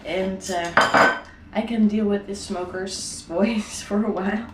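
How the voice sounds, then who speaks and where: A woman in her thirties with a Dutch accent, a mom chatting casually through a home vlog, her voice raspy from a sore throat and her talk full of fillers and restarts. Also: mid-range voice, steady tone, takes it slowly, roomy sound, noisy background. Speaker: vlogger, mom. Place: apartment kitchen.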